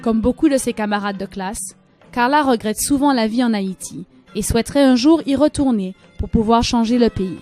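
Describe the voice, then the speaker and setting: A woman reading scripted documentary narration in a measured, even delivery. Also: fairly high pitch, soft background music.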